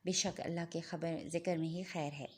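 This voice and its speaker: A woman narrator voicing a pious old male faith healer who gives calm, grave instructions in an audiobook. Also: fairly low pitch, normal speed, breathy edge, pitched below the performer's own voice. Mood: instructive.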